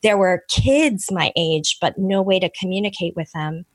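A middle-aged Korean American woman whose first language was Korean, answering interview questions as an author in a thoughtful, measured way. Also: lowish voice, dry recording. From Korean American, immigrated as an infant. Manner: thoughtful, measured, with soft laughs and restarts. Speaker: author and podcast guest.

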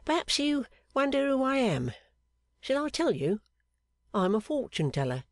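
A reader putting on a peculiar, sharp-eyed man who leans in and murmurs his questions in a low, teasing tone. His voice sits well above the reader's own, with a lively, swooping lilt, in a dry, close recording. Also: moderate pace, no echo. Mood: sly, confiding. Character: odd, snorting, sharp-eyed male clerk. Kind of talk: audiobook character voice.

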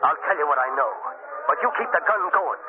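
A man plays a wary shooting-gallery worker in old radio drama. He has a high voice and slangy, streetwise talk, on a very noisy recording as narrow as a phone line. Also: expressive, fast, lightly acted. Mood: wary, furtive. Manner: slangy tough talk, alternating hushed confiding and barker patter. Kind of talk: 1940s radio mystery acting.

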